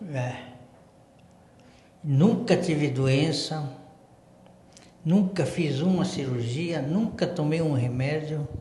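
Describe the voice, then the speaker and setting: A man speaks very slowly at a fairly high pitch, with ordinary pitch variation and long, frequent pauses. Noticeable background noise and audible room echo fill the recording. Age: 70s. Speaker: magnetic therapist. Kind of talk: interview. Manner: halting.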